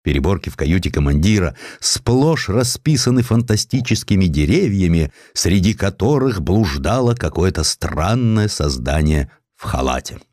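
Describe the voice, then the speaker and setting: A man narrating a historical story in an expressive, theatrical literary style. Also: low voice, normal speed, hardly any pauses, no echo, studio quality. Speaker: narrator, audiobook reader.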